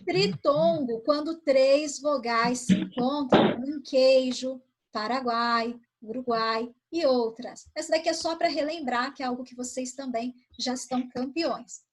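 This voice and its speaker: A woman's voice: sits high, steady tone, a little slow, few pauses. A woman primary school teacher reviewing a lesson with pupils over a video call, explaining patiently and asking them questions. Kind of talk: online class review with pupils.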